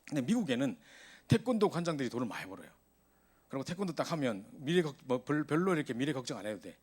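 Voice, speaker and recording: A man preaching a sermon to a youth service, telling stories in an animated way. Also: medium pitch, fast, slightly rough. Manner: animated storytelling, voice rising in exasperation.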